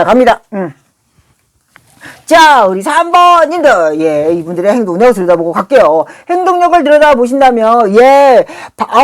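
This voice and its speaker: A middle-aged woman reading tarot cards aloud for viewers, lively and chatty, slipping into scolding asides and exclamations. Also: medium pitch. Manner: animated, swings between pleading and scolding asides. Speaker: tarot reader and shaman. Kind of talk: live tarot reading monologue.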